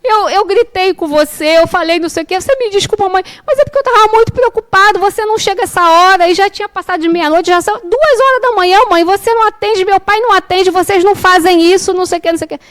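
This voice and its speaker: A woman's voice: extremely high pitch, fast talker, few pauses, voice pushed up. Woman playing a frantic worried teenage son. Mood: pleading apology. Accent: Brazilian. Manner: frantic, repetitive, then pleading. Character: worried sixteen-year-old son, scolding his mother.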